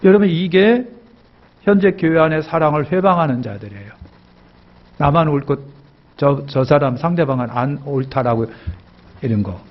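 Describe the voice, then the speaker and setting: A man's voice: a little high, animated, moderate pace, long pauses, dull audio. A male pastor preaching a sermon emphatically, repeating key phrases and asking the congregation questions.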